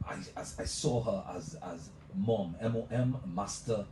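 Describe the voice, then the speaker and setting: A man's voice: fairly low pitch, a little slow, mellow. A male radio host talking effusively on a live show, repeating "let me tell you" as he builds up his guest. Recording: echoey room, mic at a distance, noisy.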